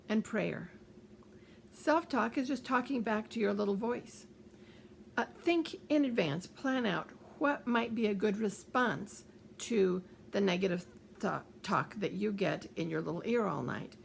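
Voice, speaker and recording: An older woman giving gentle, calm advice, repeating reassuring phrases. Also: medium pitch, vocal fry, slight background noise. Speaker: author giving coping advice. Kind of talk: calm advice talk to camera.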